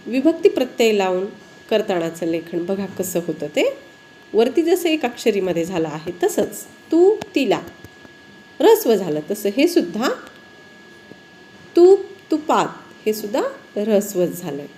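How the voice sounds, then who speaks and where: A woman teacher, giving a spelling lesson slowly and often asking her pupils questions. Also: medium pitch, sing-song, mellow, slight background noise.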